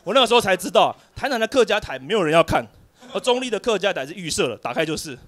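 A young male stand-up comedian with a fairly high voice works a club crowd. He tells a long story and jumps into other people's voices as he goes. His delivery stays lively and animated throughout. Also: rapid-fire. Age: young adult. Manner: animated storyteller, acts out characters in shifting voices.

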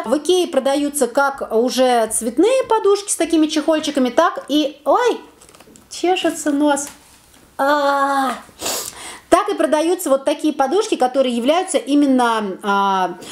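A young woman chatting in a casual home vlog, lively and self-mocking, talking with her hands in a small bright room. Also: high-pitched. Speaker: home vlogger.

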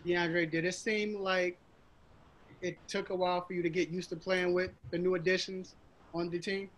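A man's voice: sits high, level tone, normal speed. A man working as a reporter, asking conversational questions over a remote call. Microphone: remote video call.

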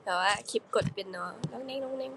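A woman's voice: on the high side, fast talker, a bit bright, a little hiss or hum, poor audio. A young woman hosting a casual livestream, chatting playfully with fans and reading their comments. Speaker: idol livestream host.

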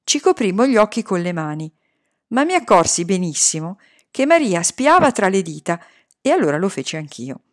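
A woman reads a novel aloud at a steady, unhurried pace. Her voice sits at a middle pitch for a woman, and her telling is calm and measured throughout. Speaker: audiobook reader.

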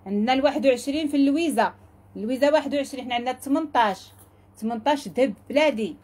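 A woman with a Moroccan accent, pitching jewelry in a repetitive, enthusiastic sales patter. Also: very fast, darkish tone. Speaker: jewelry seller.

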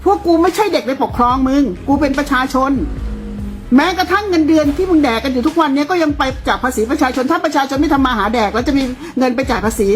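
A woman's voice: high-pitched, quick pace, faint music behind. A woman giving heated political commentary in a blunt, coarse, combative way.

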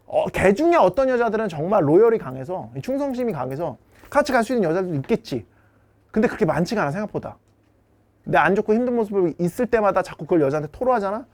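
A man giving a blunt dating lecture, his brash delivery full of swearing as he scolds his students. His voice sits high and swings widely in pitch. He rattles along at a rapid clip. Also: a little mellow. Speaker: dating coach.

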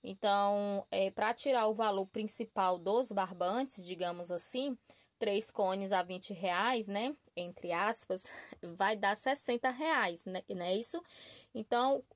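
A Brazilian woman gives a casual crochet tutorial to her viewers, speaking slowly in a medium-pitched voice in a dry recording. Her manner is warm and chatty, with frequent "tá?" and "né?" tags and "gente" for her audience. She sits at a work table in a small room, filmed from above with the camera on her hands and table.

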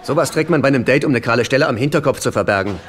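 A man's voice: medium pitch, rapid-fire, crowd noise, background noise, natural voice. An actor dubbing a fussy, self-important middle-aged man in a German sitcom, pompous and theatrical with hesitations. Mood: dry, puzzled. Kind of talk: German-dubbed sitcom acting.

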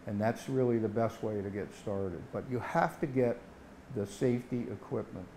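Mellow-voiced older man, instructional. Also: on the low side, moderate pace, a little hiss or hum, poor audio. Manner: plain-spoken, explanatory. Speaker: welding instructor. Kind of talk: instructional demonstration to camera. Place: indoor workshop set, standing before a tool board.

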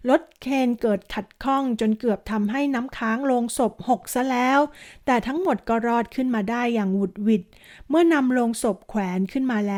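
A woman's voice: a little high, darkish tone. A woman retelling the plot of a TV series episode, narrating politely and slipping into chatty asides. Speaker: drama recap narrator. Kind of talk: storytelling recap of a TV series.

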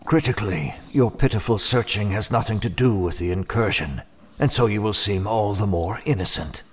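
An actor playing a cold, calculating, self-serving schemer in an audio horror drama, speaking with deliberate menace. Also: male voice, lowish voice, slight background noise, natural voice.

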